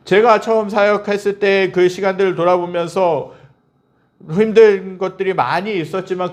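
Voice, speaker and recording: A male pastor preaching a Sunday sermon, asking the congregation questions and acting out prayers in a lifted voice. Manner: acts out prayers and quoted speech with a lifted pitch; asks the congregation rhetorical questions.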